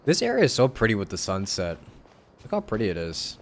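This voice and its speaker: A man's voice: lowish voice, wildly swooping pitch, fairly quick, slight background noise. A young man giving casual, informal live commentary as he streams a game, reacting aloud.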